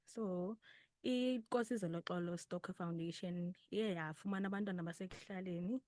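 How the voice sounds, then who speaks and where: A woman's voice: on the low side, normal speed, a little mellow, dry recording. A woman with a South African Xhosa accent answering conversationally in a radio interview, mixing two languages as she explains. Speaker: interviewed foundation representative.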